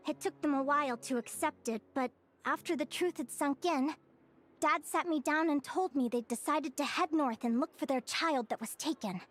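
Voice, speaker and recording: A young woman from a game, voiced by an actress, looks back on her childhood with quiet sincerity. Her voice sits high and light, and her telling is steady and reflective. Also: normal speed, faint music behind, natural voice. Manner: earnest, reflective storytelling. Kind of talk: game character dialogue.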